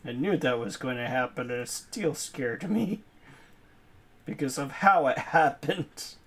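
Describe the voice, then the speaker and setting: Young guy from new england rambling thru a game, mid pitch, laughs a lot. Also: lively intonation, measured pace, slightly rough. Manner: chatty, rambling, laughs easily. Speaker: gaming channel host. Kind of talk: casual let's-play commentary.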